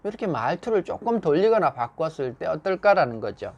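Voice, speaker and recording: A man's voice: fairly high pitch, very animated, brisk, highs cut off. A man lecturing on how to phrase things to workplace staff, explaining patiently and then acting out example lines in a raised voice. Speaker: salon staff communication instructor.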